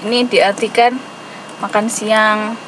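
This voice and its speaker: A woman with a Javanese accent teaches an English class, explaining grammar patiently at an easy pace. Her voice sits at a middle pitch. A clear hum of air conditioning runs behind her. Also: level tone, slow pace. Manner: patient explaining, mixing English terms in, light laughs. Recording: noisy room with air conditioning.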